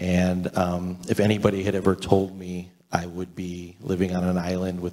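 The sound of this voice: A man with a Chicago accent speaks at a moderate pace in a low, dark, mellow voice with monotone, flat intonation. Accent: Chicago American.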